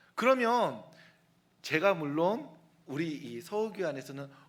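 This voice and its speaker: The voice makes very wide pitch swings in an animated tone at a fairly slow pace. Room echo is audible. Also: man. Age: 40s. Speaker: pastor. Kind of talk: sermon. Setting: church.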